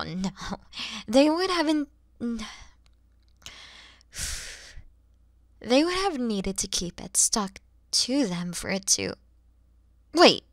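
A woman's voice: high-pitched, no echo, clean studio sound, full character voice. A woman voicing a kind, motherly and playful dragon woman in an ASMR audio roleplay, speaking expressively and directly to the listener. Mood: flustered, urgent. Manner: expressive, teasing, gentle, addressing the listener directly.

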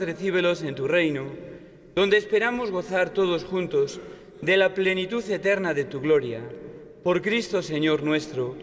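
Older priest reading prayers, slightly high voice. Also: male voice. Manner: steady, formal prayer reading. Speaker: concelebrating priest. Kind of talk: liturgical prayer recitation. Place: large cathedral. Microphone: stand microphone at the altar. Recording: long cathedral reverb.

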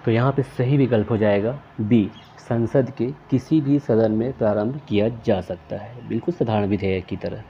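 A man's voice: fairly low pitch, normal speed, few pauses, dark tone, lo-fi sound, a little hiss or hum. Methodical man reading quiz answers. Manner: methodical, reads each question and options aloud then names the answer. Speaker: quiz tutor. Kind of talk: exam question walkthrough.

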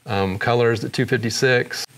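A man hosting a photography software tutorial, explaining each step in a relaxed way with frequent fillers. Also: medium pitch, normal speed, gravelly. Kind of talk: screen-recorded software tutorial.

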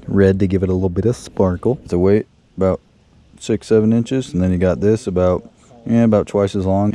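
A man hosting his fishing channel, chatting excitedly and jokily to viewers outdoors at night by a creek, recorded on a head-mounted camera. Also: lowish voice. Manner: excitable, jokey, talks to viewers. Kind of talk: casual outdoor vlog commentary. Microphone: head-mounted action camera.

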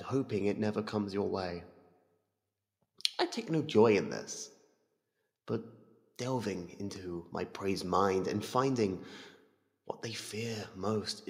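A man voicing an ancient void entity that calmly toys with its prey in an ASMR roleplay, slow, deliberate and condescending. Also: low-pitched, vocal fry, heavily acted. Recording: cavernous long reverb.

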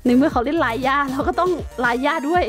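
Woman streamer, casual gameplay chatter with playful sound-effect words, high voice, faint music bed. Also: fast. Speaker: gaming streamer. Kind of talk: casual Minecraft gameplay commentary.

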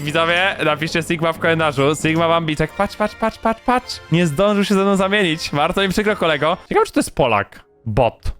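High-voiced, excitable male gamer. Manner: rapid, excitable, repeats phrases, shouts in bursts. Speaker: gaming YouTuber. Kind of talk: excited live game commentary.

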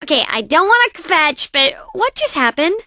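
This is a cocky young girl bandicoot from a racing video game, voiced in full cartoon style with studio-quality sound and no echo. Her extremely high, bright voice swings up and down in a sing-song way at normal speed, perky, sassy, and boastful, though these lines come across as sulky.

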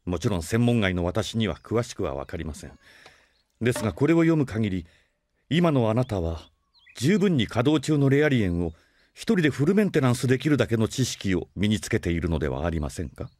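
Polite older brother, very expressive. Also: male voice, lowish voice, fairly quick. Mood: concerned, reproving. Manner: formal, polite, gently lecturing. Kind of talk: Japanese audio drama acting.

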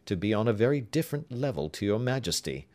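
A man's voice: fairly low pitch, sing-song, quick pace, darkish tone. A man reading as a cool, precise detective, formal and restrained.

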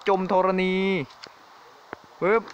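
A man giving jokey, excitable commentary while playing a shooting game, exclaiming often. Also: drawn-out words, highs cut off, heavy background noise. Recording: game sounds and gunfire behind.

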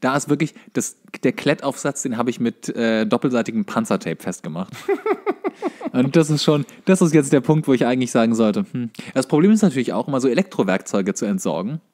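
A man's voice: medium pitch, sing-song, fairly quick, darkish tone. Man, middle-register voice, podcast co-host, colloquial, unscripted casual chat.

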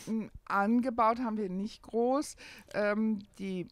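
A middle-aged woman telling stories as an interview guest, pausing and hesitating as she explains. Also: a little high, crowd noise. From Germany. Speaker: interview guest, family hotel owner. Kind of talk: conversational interview storytelling.

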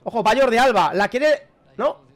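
Guy streaming a match reaction, kinda high voice, gets loud and hypes every goal. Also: moderate pace. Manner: excitable, shouting at big moments, chatty asides. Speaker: fan reacting live to a match. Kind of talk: live football reaction stream.

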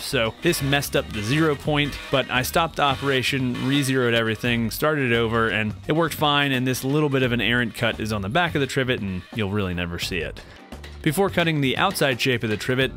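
Guy in his 30s walking through a woodworking build step by step, plain even voice, soft music under it. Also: medium pitch. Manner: plain, matter-of-fact step-by-step explaining. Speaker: woodworking channel host. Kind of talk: voice-over narration of a build. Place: home woodworking shop.

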